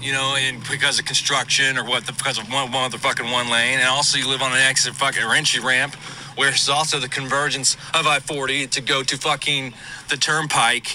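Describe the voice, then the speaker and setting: Over noticeable background noise, a man speaks in a medium pitch at a fairly quick pace. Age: 30s. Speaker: film professor. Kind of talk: recorded monologue while driving. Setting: in a car. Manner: animated.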